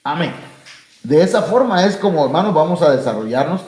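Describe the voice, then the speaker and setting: Man, Mexican Spanish accent, pastor, mellow voice, echoey church room. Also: fairly high pitch, very animated, brisk. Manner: plain and conversational, many fillers, stretches out key words. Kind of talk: sermon and closing prayer to a church and online viewers. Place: church sanctuary.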